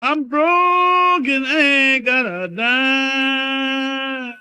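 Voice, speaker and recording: A man's voice: very high-pitched, drawn-out words, bright, forceful tone. Man singing blues on a scratchy 1920s record. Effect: scratchy old 1920s record with hiss.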